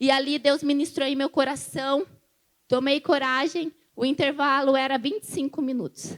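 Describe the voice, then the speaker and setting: Speaking at a fairly slow pace, a woman has a high pitch and an animated tone. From Brazil, interior of São Paulo state. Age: 20s. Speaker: pastor and psychologist. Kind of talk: sermon. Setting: church.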